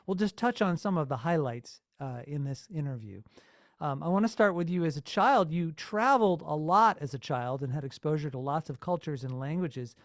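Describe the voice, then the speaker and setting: A man with a fairly high voice in a very dry recording. He hosts an interview, phrasing conversational questions with small hesitations and pauses. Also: lively intonation, no room sound. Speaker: interview host.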